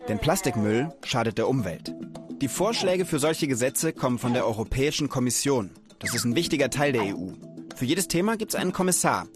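A man presenting a children's knowledge show, talking straight to young viewers in an upbeat, animated way. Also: mid-range voice, a little fast, over music. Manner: lively, addresses viewers directly as kids.

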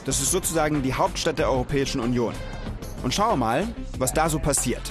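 A man presenting a children's knowledge show, talking straight to young viewers in an upbeat, animated way. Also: medium pitch, fairly quick, music in the background. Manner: lively, addresses viewers directly as kids.

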